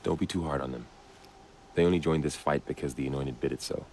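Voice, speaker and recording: A man playing an earnest young tribal warrior in a video game cutscene, speaking in a solemn, sincere and measured way. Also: a bass voice, darkish tone, slight background noise. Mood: quiet, devoted.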